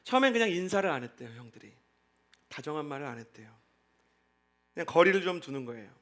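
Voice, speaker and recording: A male pastor with a fairly high voice preaching to a young adult congregation. He talks in an easy, chatty way and keeps turning to the listeners with questions. He leads them in reading scripture aloud together. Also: sing-song, fast talker, a bit bright. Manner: conversational, asks the congregation questions.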